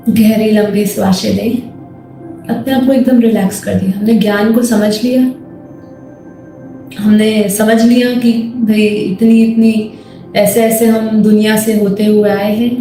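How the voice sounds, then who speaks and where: Echoey, slow-speaking Indian woman guiding meditation. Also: mid-range voice. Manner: calm, measured, instructive. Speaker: guided meditation teacher. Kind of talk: guided meditation with spiritual teaching. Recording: very echoey voice over faint music. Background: soft music.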